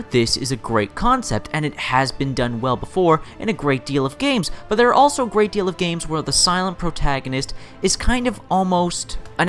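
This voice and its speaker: A man's voice: on the high side, a bit bright. A man hosting a video essay on games, speaking emphatically and informally, stacking up words and repeating phrases to drive opinions home. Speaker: video host.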